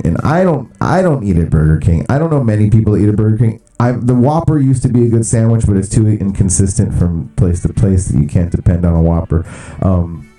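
A man hosting a small studio radio show, his voice low-pitched and very dark and mellow. He rambles loosely, cracks jokes and swears, now and then slipping into a mock announcer boom, with faint music underneath. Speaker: radio host. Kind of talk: casual radio chat.

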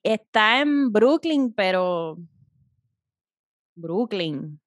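A woman in her thirties telling a story in a casual chat, animated and profane, slipping English phrases into her talk. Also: medium pitch, very slow, dry recording. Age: 30s.

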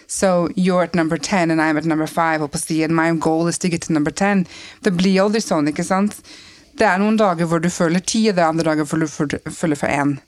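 A woman's voice: sits low, dry recording. A woman talking as a podcast guest, blunt and emphatic, switching between Norwegian and English mid-sentence. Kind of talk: casual podcast conversation.

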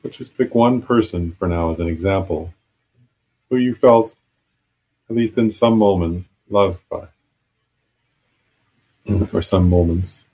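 A man guides a meditation in a lowish, husky voice. He gives gentle instructions off the cuff, haltingly, leaving long pauses between phrases. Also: low-quality recording. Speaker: meditation teacher.

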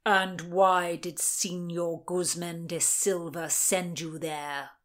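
A woman voicing a stern, commanding nobleman who interrogates a prisoner in a cold, slow, imperious manner. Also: on the high side, flat delivery, a bit bright. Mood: cold menace.

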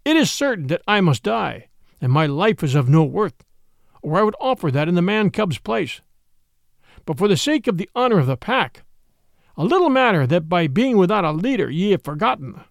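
A man's voice: high voice, sing-song, vocal fry, no echo, clean studio sound, full character voice. A man voicing an old, weary male wolf leader, proud and dignified, speaking solemnly in a storybook reading. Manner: solemn, measured, old-fashioned speech.

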